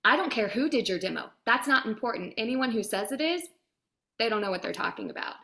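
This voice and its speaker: Female interview guest, producer type: somewhat high pitch, outspoken and emphatic, natural conversation. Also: animated, fairly quick, creaky, bright, forceful tone.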